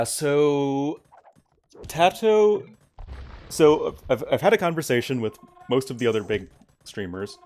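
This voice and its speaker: A young man casually commentating a strategy game on his live stream, chatting with his viewers. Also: medium pitch. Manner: casual, chatty, reacts to chat. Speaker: game caster.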